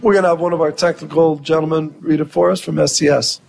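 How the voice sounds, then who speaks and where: A man's voice: on the high side, steady tone, fast talker, vocal fry, darkish tone, slight background noise. A man chairing a public committee meeting, loose and self-deprecating, a bit flustered as he runs the agenda.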